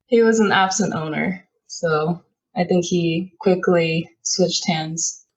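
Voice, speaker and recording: A woman's voice: fairly low pitch, slow, muffled recording. A woman in her thirties, born in Korea, talking casually as a restaurant owner being interviewed. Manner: relaxed, chatty, laughs now and then.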